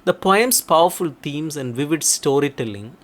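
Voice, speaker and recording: A man narrates a scripted educational piece. His voice sits a little higher than most men's. He reads in a measured, formal manner, as the narrator of an explainer. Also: lively intonation.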